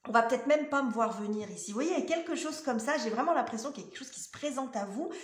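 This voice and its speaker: A woman's voice: on the high side, racing. A woman doing a casual tarot reading, talking in a hesitant way with many fillers and restarts. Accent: French. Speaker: tarot reader. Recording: roomy echo.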